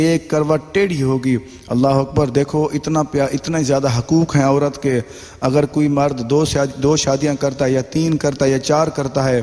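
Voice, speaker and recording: Noticeable background noise sits behind a man speaking in a monotone, flat intonation. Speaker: Islamic scholar giving a religious sermon. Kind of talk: religious lecture / sermon.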